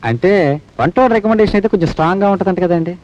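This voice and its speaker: An actor playing a meek, kind-hearted village constable who talks in a deferential, pleading way. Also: male voice, high-pitched, animated, racing, darkish tone, dry recording. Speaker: police constable. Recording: dull old film soundtrack with music.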